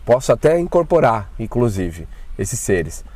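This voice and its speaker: A man casually recounting his own frightening experience, talking in a colloquial, animated way with slang and swearing. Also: mid-range voice, unhurried, no echo. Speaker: channel host telling his own spiritual experiences. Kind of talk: casual first-person storytelling.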